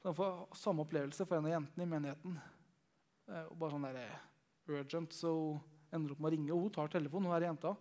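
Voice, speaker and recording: A man's voice: fairly high pitch, a little mellow. A young man telling a Christian testimony, chatty and full of fillers. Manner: storytelling, conversational with many fillers. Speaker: Christian youth leader giving testimony.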